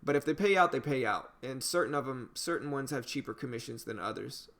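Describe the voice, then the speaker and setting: A man's voice: medium pitch, a little fast. A man from Louisiana with a slight Cajun accent, casually chatting with viewers as host of a day-trading livestream. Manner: relaxed, conversational, says "you know" a lot. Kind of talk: casual livestream chat reading viewer comments.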